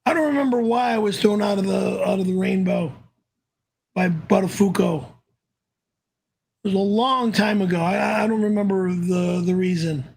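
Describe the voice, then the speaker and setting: A man's voice: high voice, normal speed, gravelly, darkish tone, breathy edge, poor audio. A man hosting a live stream, cranky and indignant, swearing often. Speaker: livestream host. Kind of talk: profane live-stream banter.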